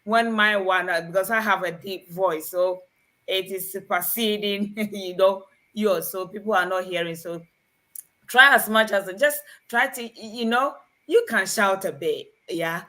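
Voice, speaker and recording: A woman's voice: mid-range voice, a little slow, pushed and bright. A woman hosting a live-streamed health talk show, guiding the guests and reading out viewer questions in a chatty, coaxing manner. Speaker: host.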